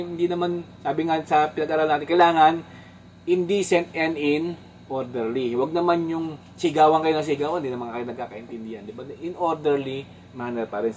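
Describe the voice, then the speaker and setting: A Filipino man preaching a sermon in a slightly high voice. He teaches point by point, mixing in English phrases, rising on each new point and dropping low on asides. Faint room hum sits behind him. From Philippines. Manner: mixes English phrases into his talk and often asks the congregation "Amen?".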